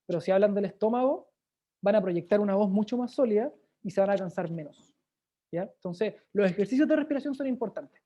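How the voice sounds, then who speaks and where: A woman's voice: mid-range voice, lively intonation, fairly quick, mellow. A woman with a Chilean accent leading an online workshop on speaking, demonstrating exercises and often checking in with listeners. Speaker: workshop presenter. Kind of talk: lively online workshop teaching. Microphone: video call. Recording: dull lo-fi video call audio.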